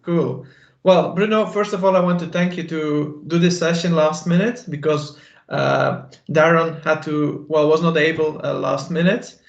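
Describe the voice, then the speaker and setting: A man hosting a live online talk, introducing the guest in an informal, halting way. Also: a little high, fairly even intonation, vocal fry. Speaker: host. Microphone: video call. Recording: roomy, dull online call audio.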